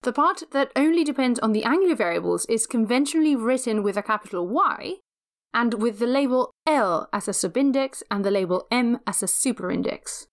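A woman with a fairly high voice narrates a physics lecture. She explains each step in a measured, methodical way. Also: animated.

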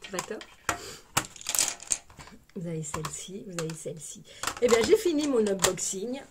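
A woman's voice: mid-range voice, sing-song, moderate pace, background noise. A woman with a Parisian French accent chatting casually through a makeup unboxing, exclamatory and full of little fillers. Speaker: beauty vlogger.

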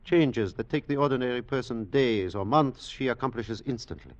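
An actor playing a grave, world-weary older German scientist in a 1940s radio drama, speaking deliberately. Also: male voice, mid-range voice, close to an everyday voice. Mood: grave, foreboding. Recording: muffled 1940s radio broadcast.

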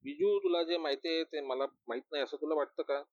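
A self-assured ex-bodyguard, played by a man reading an audio story, explaining his plans with easy confidence in a somewhat high male voice. The recording is dry and a bit dull. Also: fast talker, a little mellow, dry recording, close to an everyday voice. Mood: scheming. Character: adult male former bodyguard, confident and scheming.

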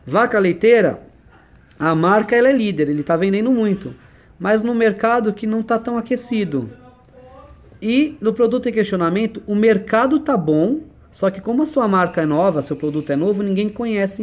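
A man explaining business ideas in a conversational one-on-one lesson, using everyday examples and questions. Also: sits high.

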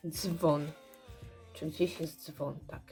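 Hoarse lady murmuring thru her scratch cards real slow, low-ish voice. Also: fairly even intonation, a little mellow, faint music behind. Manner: slow, murmured checking of symbols. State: hoarse, clearing throat. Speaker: scratch card vlogger. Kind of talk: casual commentary while scratching cards.

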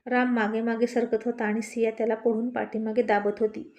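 A woman's voice: on the high side, level tone, brisk, darkish tone, lo-fi sound. A woman reading a Marathi story aloud, narrating and voicing each character's dialogue herself. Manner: switches between narration and quoted dialogue.

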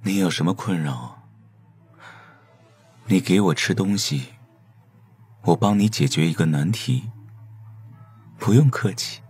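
A man's voice: low voice, lively intonation, slow pace, pauses often, darkish tone, breathy edge, heavily acted. An actor playing an enigmatic, eccentric man in an audio drama, sly and knowing, speaking in a teasing, cryptic way. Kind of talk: Chinese audio drama acting. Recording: music behind the voice.

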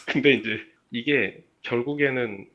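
A man's voice: medium pitch, takes it slowly, sharp tone. Muffled male caller, hesitant and casual. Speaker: phone caller. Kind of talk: casual personal phone conversation. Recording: muffled, dull phone call.

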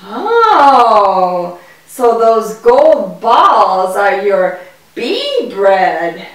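A woman voicing a naive, curious puppet boy in a children's educational show, with exaggerated wonder and drawn-out questions. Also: medium pitch, big pitch swings, a bit bright, heavily acted. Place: indoor puppet stage in a room. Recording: echoey room, distant microphone.

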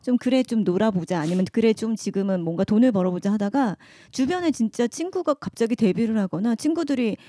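A woman's voice: on the high side, animated, brisk, few pauses, dark tone, dry recording, clean studio sound. A woman in her thirties co-hosting an interview, musing reflectively and murmuring along as she listens. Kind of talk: casual interview chat.

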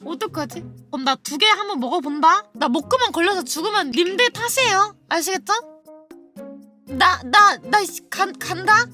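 Bright, high, cute anime-style woman streamer. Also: lively intonation, normal speed, faint music behind. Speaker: livestreamer host. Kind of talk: casual livestream chat with viewers.

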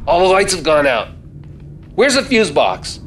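A man's voice: high-pitched, wildly swooping pitch, a little slow, exaggerated voice. An actor playing a tough, hot-tempered man fighting off ghouls, urgent and commanding, in a radio play. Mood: tense, commanding. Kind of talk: live staged radio play reading. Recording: stage reading with music underneath.

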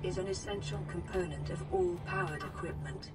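A woman voicing the calm computer assistant of a survival game, speaking in an even, synthetic-sounding way over loud game music. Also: on the low side, brisk, natural voice. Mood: informative. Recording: game audio under background music.

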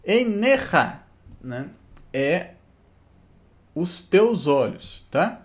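A man's voice: on the high side, expressive. A man teaching Hebrew in an online lesson, explaining a verse word by word and ending lines with "né?" and "tá?". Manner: slow and explanatory, tags lines with "né?" and "tá?".

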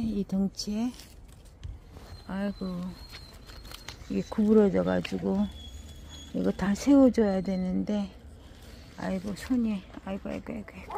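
Older woman gardener, casual vlog, slow and gravelly, chats softly to her plants. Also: mid-range voice, a little hiss or hum. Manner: murmurs to her plants, frequent sighing exclamations. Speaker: home gardener. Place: home garden.

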